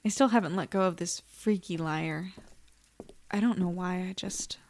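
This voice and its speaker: A woman's voice: fairly low pitch, moderate pace, darkish tone, slight background noise, natural voice. A woman playing a plucky young investigator in an audio drama, casual and wry as she speaks. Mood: wry, shaken. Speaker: lead character and narrator. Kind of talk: audio drama acting, conversational narration.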